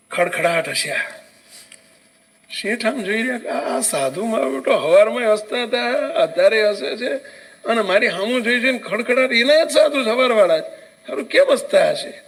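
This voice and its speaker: A man telling a devotional story as a sermon, animated and addressing his listeners directly. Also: sits high, poor audio. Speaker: preacher and storyteller.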